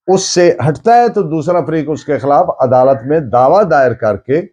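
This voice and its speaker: A man with a Pakistani accent lecturing on law in a didactic, deliberate way, restating points in plain words and mixing in English terms. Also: a little high, dark tone, highs cut off.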